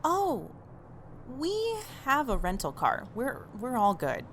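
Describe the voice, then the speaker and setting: A woman's voice: a little high, huge pitch swings, slow, a bit bright, a little hiss or hum, full character voice. A woman playing an upbeat, helpful young oracle in an audio drama, speaking naturally. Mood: casual. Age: young adult.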